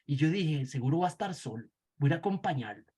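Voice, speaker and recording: A man's voice: a little high, lively intonation, fast, a crowd in the background. A middle-aged man with a Costa Rican accent, teaching theology in a conversational lecture full of fillers and tag questions. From Costa Rica. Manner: conversational, frequent fillers and "¿verdad?" tags. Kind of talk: lecture with personal anecdote.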